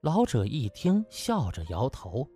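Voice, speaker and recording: Animated male storyteller over music. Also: mid-range voice, a little slow, slightly rough. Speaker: audiobook narrator. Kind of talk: dramatised storytelling narration of a comic novel. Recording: music under the voice. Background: background music.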